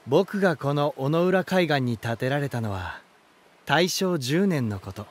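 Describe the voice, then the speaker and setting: An elegant male lighthouse spirit from a voice drama. He speaks in a slightly high register at a slow, savouring pace. His manner is genial and theatrical, that of a storyteller addressing a guest. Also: animated. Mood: proud, cheerful. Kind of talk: Japanese voice drama acting.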